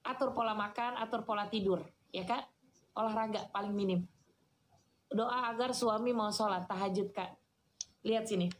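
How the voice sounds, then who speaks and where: A woman, giving a lively, chatty sermon and answering questions from the audience. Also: medium pitch, moderate pace, long pauses, slight background noise. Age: 40s. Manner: chatty, teasing, addresses listeners as "Kak". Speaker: Islamic preacher.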